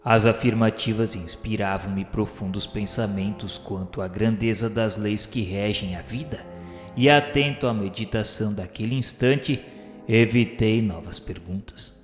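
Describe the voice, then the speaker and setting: A man's voice: on the low side, measured pace. A man with a Brazilian accent narrating a scripted radio drama in a formal, literary, solemn storytelling manner. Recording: echoey hall reverb, faint music behind.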